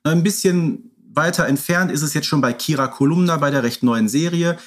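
A man's voice: fairly high pitch, normal speed. A man co-hosting a podcast, talking casually and explaining things in colloquial language. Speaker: podcast co-host. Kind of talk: casual podcast conversation about audio dramas.

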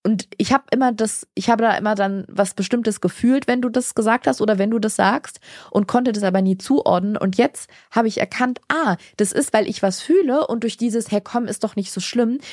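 A woman's voice: fairly high pitch, animated, normal speed, darkish tone, no echo, clean studio sound. A woman in her thirties co-hosting a podcast, speaking earnestly and reflectively in a long casual conversation. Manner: earnest, reflective, talks at length with many restarts. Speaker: podcast co-host.

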